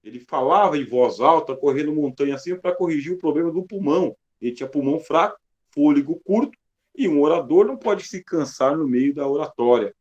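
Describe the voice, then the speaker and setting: A man's voice: on the high side, lively intonation, fairly quick, darkish tone. A Brazilian man with a Brazilian Portuguese accent, giving an emphatic classroom lecture on reading scripture and asking and answering his own questions. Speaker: Bible teacher. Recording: slightly dull lo-fi sound.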